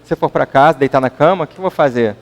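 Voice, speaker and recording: A man's voice: on the high side, quick pace. Man giving a conversational talk, Brazilian accent. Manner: conversational, keeps adding questioning tags. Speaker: lecturer at a spiritist center. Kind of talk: informal public talk. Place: meeting hall. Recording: long reverb in a hall.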